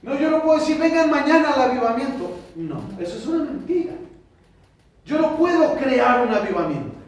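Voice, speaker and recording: Mexican pastor, very high voice, animated sermon, acted-out dialogues, echoey church hall, distant mic. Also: male voice, normal speed. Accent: Mexican Spanish. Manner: animated preaching, acts out dialogues with shifting voices. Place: church sanctuary.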